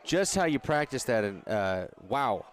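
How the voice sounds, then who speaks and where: A man's voice: medium pitch, very animated, a little slow. A man giving informal, reactive short remarks as color commentator on a live football radio broadcast.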